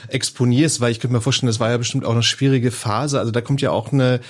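A man's voice: medium pitch, steady tone, quick pace. A man interviewing a filmmaker, asking probing questions and often rephrasing them.

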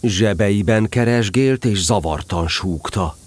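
A man narrating a scripted children's story expressively, as the narrator of an audio drama. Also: lowish voice.

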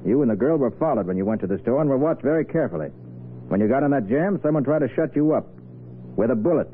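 Casting: man as firm, persuasive private eye, mid-pitched with lively inflection, vintage radio drama. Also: narrow, tinny audio, close to an everyday voice. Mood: firm, pressing. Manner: assured, brisk, probing. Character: confident, shrewd male private detective, firm and persuasive. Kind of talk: 1940s radio acting. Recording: noisy, phone-thin vintage radio recording.

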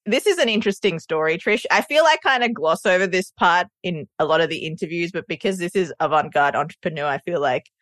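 A woman's voice: fairly low pitch, quick pace, hardly any pauses, no room sound. A woman from Sri Lanka, raised in Australia, with an Australian accent, telling stories as a podcast guest and acting out what people said. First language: Sinhala. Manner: animated storyteller, laughs often, acts out quotes. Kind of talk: casual interview chat.

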